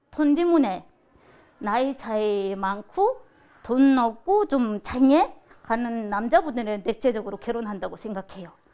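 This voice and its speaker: At a fairly slow pace, the voice has a dark, mellow tone and lively intonation. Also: woman, fairly high pitch for a woman. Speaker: interviewee, marriage migrant and teacher. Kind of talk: interview.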